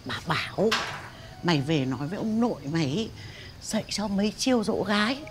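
A woman's voice: mid-range voice, lively intonation, a little fast, background noise, close to an everyday voice. An actress playing a blunt, earthy old village woman who teases the young people around her in a TV drama. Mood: scolding. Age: older. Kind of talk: TV drama acting.

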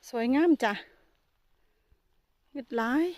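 A woman's voice: slow pace, a little mellow, dry recording. A woman with an Isan Thai accent chatting casually as she vlogs outdoors in a forest, exclaiming often. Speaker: vlogger. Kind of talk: casual vlog narration.

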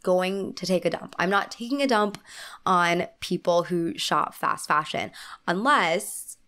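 A woman's voice: on the low side, a little slow, a bit bright. A young woman in her twenties with a congested, slightly nasal voice from a cold, talking into a handheld mic in a small room in a wry, opinionated scripted video essay with emphatic asides. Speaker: fashion commentary host. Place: small indoor room with lamp and plant. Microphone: handheld mic held close.

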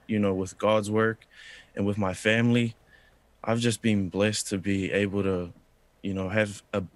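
A man's voice: on the low side, no echo. Earnest young man on a video call. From New Zealand. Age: young adult. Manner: polite, earnest, says sir. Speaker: interviewee. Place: indoor room.

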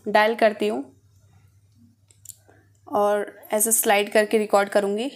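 In a mid-range, darkish voice with little pitch movement, a woman slowly talks viewers through each step of a phone tutorial. She hosts these videos and addresses her audience directly in a casual, instructional way.

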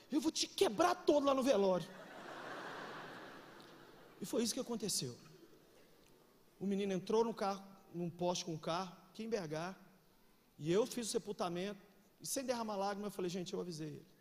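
High, lively pastor preaching in a hall. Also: male voice, normal speed, long pauses. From Brazil. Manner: animated storyteller, bursts into shouts, slangy. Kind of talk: energetic sermon with acted anecdotes. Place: church hall. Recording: reverberant church hall.

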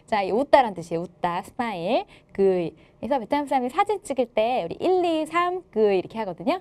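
A woman teaching an exam-explanation lecture, lively and playful, joking with her students. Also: medium pitch.

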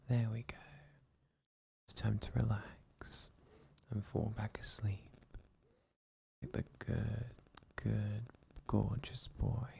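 A man voicing a doting, possessive boyfriend in an ASMR roleplay who whispers slowly to lull the listener to sleep. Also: on the low side, heavily acted. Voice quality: whispery, gravelly, breathy. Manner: slow, soothing, coaxing hush.

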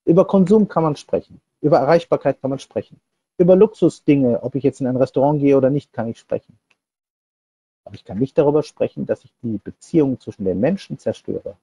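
A middle-aged man preaching an explanatory sermon in a measured, deliberate manner. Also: medium pitch, lively intonation, warm tone, breathy edge, dry recording, dull audio. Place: small indoor room, seated before a screen divider. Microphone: wired earphone headset on a video call setup.

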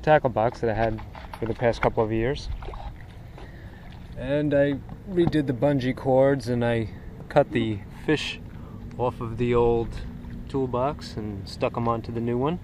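Beside his kayak in shallow water, an angler shows his gear in a relaxed, rambling narration dotted with "uh," speaking at medium pitch and a measured pace. The action camera on the kayak yields noisy outdoor audio.

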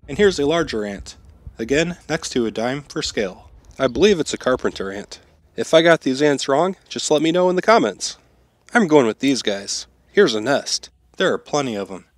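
A man in his thirties hosting a how-to channel, narrating step-by-step instructions in a steady, plain way while slightly sick. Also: medium pitch. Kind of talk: scripted how-to voice-over.

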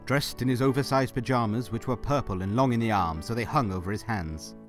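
A man's voice: medium pitch, a little fast, faint music behind, close to an everyday voice. A man narrating a Christmas audio drama as a wry, theatrical storyteller.

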